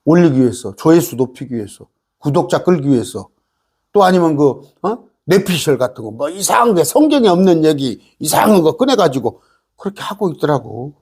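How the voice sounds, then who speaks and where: A male pastor preaches with a high, lively voice that swoops up and down as he drives his points home. His tone is slightly husky, and he keeps firing rhetorical questions and quick "eh?" asides at the congregation. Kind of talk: sermon.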